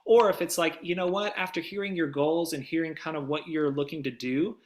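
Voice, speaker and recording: A man's voice: on the high side, steady tone, brisk. A man speaking as an interview guest and demo producer, conversational, earnest and emphatic.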